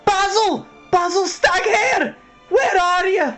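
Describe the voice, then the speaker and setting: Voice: very high-pitched, slow, sharp tone, soft background music, voice pushed up, exaggerated voice. A storybook narrator voicing a brave, hot-tempered, sarcastic young male mouse hero. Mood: shouting.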